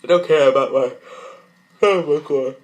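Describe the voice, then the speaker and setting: A man's voice: fairly high pitch, normal speed, pitched above the performer's own voice, lightly acted, rough recording. A man voicing an upset young boy from a cartoon fan story. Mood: distraught.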